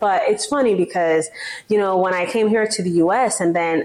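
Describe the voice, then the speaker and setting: Speaking with a Jamaican accent, a woman keeps a medium pitch, a moderate pace and ordinary pitch variation. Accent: Jamaican-tinged English. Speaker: podcaster and entrepreneur. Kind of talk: personal testimony monologue. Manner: casual, chatty.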